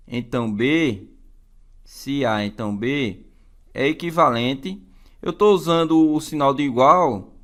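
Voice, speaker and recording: A man's voice: medium pitch, a bit bright. A man with a Brazilian accent teaching an exam-prep lesson in a didactic way, repeating key phrases and checking in with listeners.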